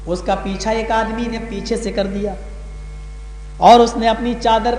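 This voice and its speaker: A male Islamic preacher giving a sermon to a gathering, telling stories with passion and rising high on key words. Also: fairly even intonation, a little mellow. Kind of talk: Urdu sermon with dramatic storytelling. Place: large hall, live gathering. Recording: echoey hall with long reverb.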